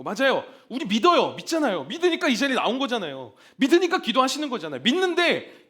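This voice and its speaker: A man's voice: very high voice, a bit bright. A man in his thirties preaching at a church prayer meeting, impassioned and throwing rhetorical questions at the congregation. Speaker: pastor. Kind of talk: sermon.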